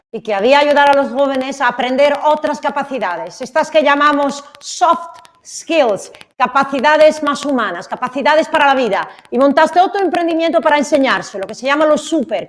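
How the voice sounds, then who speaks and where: A woman hosting a virtual awards event, putting questions to guests as the interviewer. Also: high voice. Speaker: host, interviewer.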